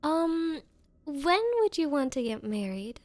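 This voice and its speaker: A woman playing a nervous, obsessive young woman on a date in an anime-style ASMR roleplay, speaking haltingly and flustered. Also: high-pitched, expressive, darkish tone, no echo. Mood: nervous, coy. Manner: halting, flustered, breathy hesitations. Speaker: roleplay voice performer.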